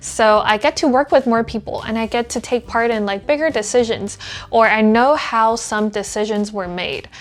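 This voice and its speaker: A woman speaks with a Chinese accent at a fairly high pitch and moderate pace, with ordinary pitch variation. Noticeable background noise is present. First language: Mandarin Chinese. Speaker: software engineer and YouTuber. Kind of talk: casual chat.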